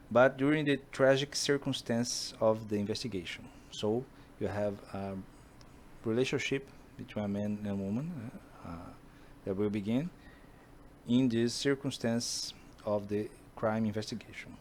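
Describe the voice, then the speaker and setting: A man from Brazil with a Brazilian Portuguese accent, a Portuguese speaker talking in English to camera, pitching a film based on his own books and pausing often to search for words. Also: darkish tone, a little hiss or hum. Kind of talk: casual monologue to camera.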